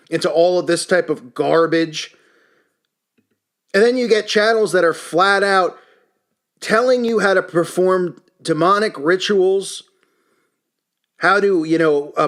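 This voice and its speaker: A man delivers an indignant, emphatic, unscripted opinion rant as a commentary host. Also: fairly high pitch. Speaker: YouTube commentary channel host.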